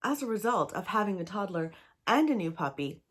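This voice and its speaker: A woman's voice: medium pitch, big pitch swings, brisk, a bit bright, breathy edge. A woman in her thirties from Canada, talking casually to camera about books she wants to read; she rambles in a chatty way, sounds a little tired, and is slightly snuffly from a cold. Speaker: book vlogger.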